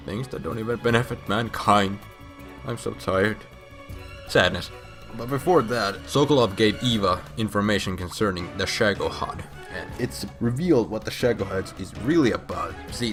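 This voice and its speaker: Man, drunk comic storyteller: low forceful voice, sweary, rambling and repetitive, faint music bed. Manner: drunk rambling, repeats himself and trails off; crude, heavy swearing. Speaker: storyteller recapping a video game plot. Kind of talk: comic, casual retelling with acted-out quotes.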